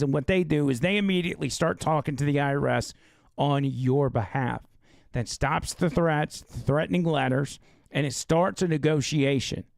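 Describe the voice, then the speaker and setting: A male talk show host with a gravelly, slightly hoarse voice, chatting loosely and reading an ad. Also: fairly high pitch, dry recording. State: losing his voice. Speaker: radio and live-stream show host. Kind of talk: casual live talk show with read ad.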